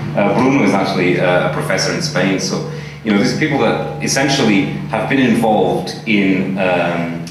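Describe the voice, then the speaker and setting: Audible room echo and noticeable background noise accompany a man's fairly quick delivery. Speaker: conference speaker. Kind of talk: lecture. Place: hall. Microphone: podium.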